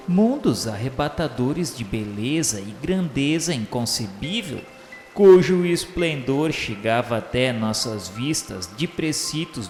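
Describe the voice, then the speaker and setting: A man with a Brazilian accent playing a repentant spirit who narrates a radio novela in a solemn, florid, declamatory way. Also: mid-range voice. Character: repentant male spirit solemnly recounting his afterlife rehabilitation. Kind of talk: scripted first-person radio drama narration. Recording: echoey reverberant hall over faint music.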